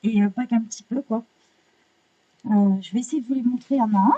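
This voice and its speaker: A woman chatting casually while unboxing art supplies, excitable, swearing lightly and apologizing often. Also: a little high, fairly quick, breathy edge, lo-fi sound.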